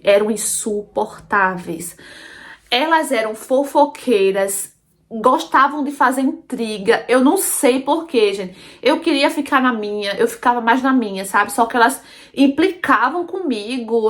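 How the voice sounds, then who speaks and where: A Brazilian woman telling her own story in a casual, chatty way, often calling out to her listeners and repeating phrases for emphasis. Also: a little high. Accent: Brazilian Portuguese. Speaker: storytelling channel host. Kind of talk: casual first-person storytelling.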